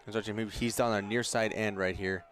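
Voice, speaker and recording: A man's voice: lowish voice, steady tone, a little fast, fairly bright tone. A man giving informal, reactive short remarks as color commentator on a live football radio broadcast.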